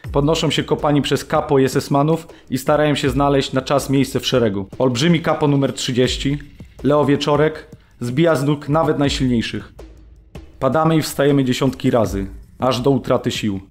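A man's voice: medium pitch, moderate pace, faint music behind, lightly acted. An actor voicing a male camp prisoner who relives beatings and exhaustion in a documentary radio play. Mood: grim, strained. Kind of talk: dramatised documentary narration in present tense.

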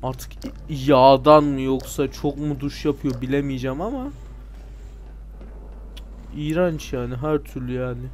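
A man giving casual gameplay commentary, excitable and sarcastic, talking back at game characters with sudden loud outbursts and grumbling asides. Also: medium pitch, unhurried, pauses often, slight background noise. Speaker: let's play gamer.

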